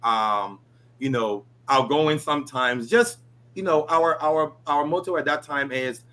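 A man in his forties from Ghana, a guest telling his life story in a relaxed interview, filling his talk with "you know" and "right?". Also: fairly high pitch, a little slow. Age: 40s.

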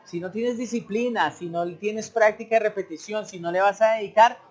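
A man with a high-pitched voice, speaking at normal speed, gives a casual English lesson as a teacher. His informal monologue is conversational and repetitive, and he sometimes imitates the broken speech of beginners.

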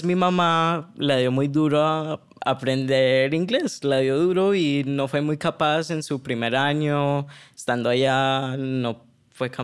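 This is a young man from New York, a podcast guest speaking with a clear, smooth voice. He talks in a casual, searching way, filling gaps with fillers and restarting his sentences. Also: mid-range voice. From New York, United States. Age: 20s. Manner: hesitant, many fillers and restarts. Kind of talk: casual conversational interview.

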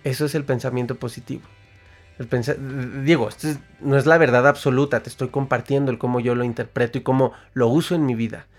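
A man's voice: mid-range voice, fairly even intonation, fast talker, soft background music. A man with a Mexican accent giving a casual motivational talk in a slangy, colloquial way. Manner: colloquial, slangy, acts out quotes. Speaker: motivational speaker.

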